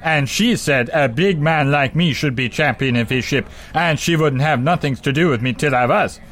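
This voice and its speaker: An actor playing a huge, dim, stubborn, lovesick sailor brawler in a pulp radio drama. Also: male voice, a little high, normal speed, a bit bright. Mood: challenging.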